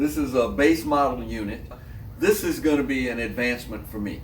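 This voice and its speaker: Ordinary pitch variation in a man's fairly high voice, delivered at a moderate pace within audible room echo. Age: 60s. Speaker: DIY motorcycle hobbyist vlogger. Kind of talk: tutorial. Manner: casual, with fillers.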